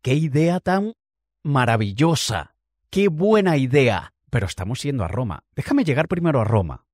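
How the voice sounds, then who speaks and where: A man's voice: medium pitch, big pitch swings, fast talker, darkish tone, slightly rough, no echo, clean studio sound. A man voicing an agreeable driver who is breezy and noncommittal in a story he tells.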